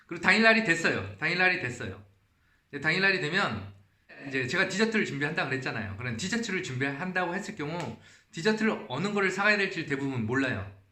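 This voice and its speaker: Audible room echo follows a man whose high voice races at a very fast pace through very wide pitch swings. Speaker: YouTuber sharing immigrant life tips. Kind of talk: casual vlog tutorial. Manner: halting, searching for Korean words.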